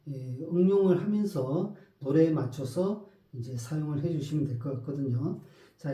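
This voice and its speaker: Dark-voiced male guitar teacher. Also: fairly high pitch, echoey room. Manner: patient step-by-step explaining, counting beats aloud. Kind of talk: guitar lesson.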